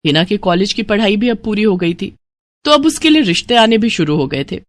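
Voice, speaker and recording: A woman narrating a family storybook tale in an even storytelling manner. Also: medium pitch, brisk, no echo, clean studio sound.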